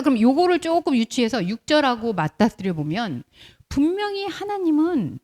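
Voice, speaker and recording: A woman's voice: fairly high pitch, a little mellow. A woman pastor preaching a sermon in church, talking conversationally and asking the congregation rhetorical questions.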